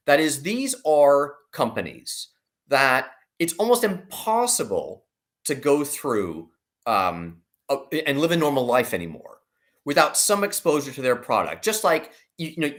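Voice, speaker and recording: A man speaks as an analyst guest in a financial interview, with a mid-pitched voice and very lively intonation. He explains emphatically and often rephrases himself as he works through each point. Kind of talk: conversational financial commentary in an interview.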